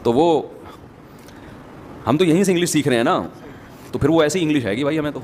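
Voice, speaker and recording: A man's voice: on the high side, darkish tone, slight background noise. A man giving a sermon, talking to the audience in a conversational way with joking asides. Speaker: Islamic preacher. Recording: long hall reverb, faint ambience.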